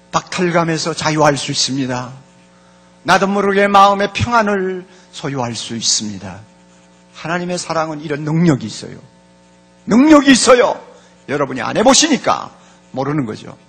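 High, forceful male preacher. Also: lively intonation, normal speed, creaky, slightly rough. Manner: fervent, repeats key words, addresses the congregation directly. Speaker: pastor. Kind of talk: sermon.

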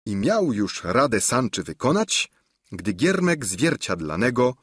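A man narrating a classic novel with expressive storytelling. His voice has a husky grain and moves lively through its pitch. The audiobook recording is dry and close. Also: measured pace, no echo. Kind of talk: scripted narration.

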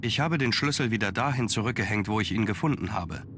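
An actor voicing a young nobleman hero in a game dub, measured and earnest. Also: fairly low pitch, lively intonation, fairly bright tone, slight background noise. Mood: calm.

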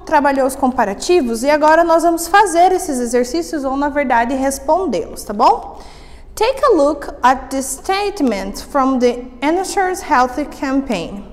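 A woman English teacher with a Brazilian Portuguese accent, reading sentences slowly and explaining them, often checking in with "ok?". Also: high-pitched. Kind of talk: recorded classroom lesson. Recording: reverberant room with long echo.

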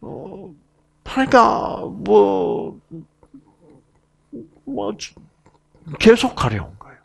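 Middle-aged Bible lecturer, Gyeongsang Korean accent, gravelly voice with lively pitch, anecdotal and full of asides. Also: male voice, extremely slow. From Gyeongsang province, Korea. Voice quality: gravelly and husky. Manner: chatty storyteller, many fillers and asides.

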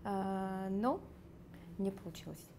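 Speaking slowly in a mid-range voice, this young North Caucasus woman from Karachay-Cherkessia has a light Circassian accent. She laughs a lot and uses plenty of fillers while chatting in a sit-down interview. She's recorded on a lapel mic in a dark studio with a noisy background.

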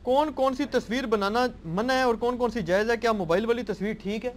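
A man with a fairly high voice puts questions to a scholar in a deferential, long-winded way. He reads out questions from viewers. Faint noise sits under the recording. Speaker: interviewer reading viewer questions. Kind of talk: question-and-answer session.

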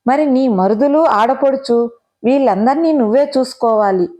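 A woman's voice: sits high, normal speed, warm tone. A woman doing a mischievous younger sister. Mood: teasing. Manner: confiding, mischievous.

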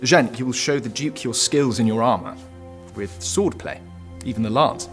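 An actor playing an indecisive, excitable, genial heir to a throne in an audio drama, courtly and effusive. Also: male voice, mid-range voice, moderate pace, soft background music, close to an everyday voice. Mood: flustered.

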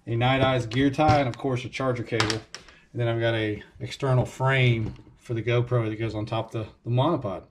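Relaxed man in his garage. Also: mid-range voice, a little fast, noisy background. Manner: relaxed, conversational, frequent "uh" fillers. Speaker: fishing channel host. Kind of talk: casual how-to vlog. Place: home garage workshop, indoors.

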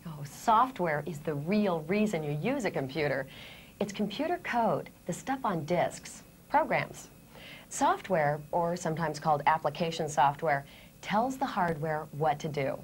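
An American woman in her thirties presenting a scripted training lesson, explaining things clearly step by step. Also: low voice, lively intonation, a little slow, a little hiss or hum. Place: indoor studio set.

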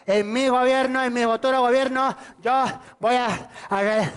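A man's voice: very high-pitched, fairly even intonation, moderate pace, fairly bright tone, clear, resonant tone. An actor playing a boastful bread-shop boss running for president, with a Colombian accent. He is chatty, laughs at his own jokes and calls everyone son in a TV studio comedy sketch. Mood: jokey. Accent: Colombian Spanish.

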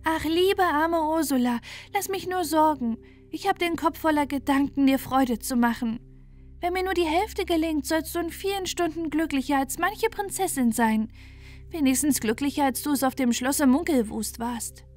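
A woman voicing a kind, busy little male shrike in a fairy tale, brisk, chirpy and reassuring. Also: high-pitched, pitched above the performer's own voice, natural voice. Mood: tender, reassuring. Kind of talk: fairy-tale storybook character voice. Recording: music behind the voice.

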